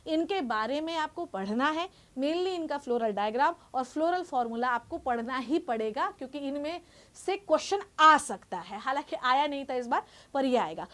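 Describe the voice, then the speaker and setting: A woman, a biology exam educator, guiding students directly and reassuringly while mixing in English terms. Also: high-pitched. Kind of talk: exam guidance talk to students.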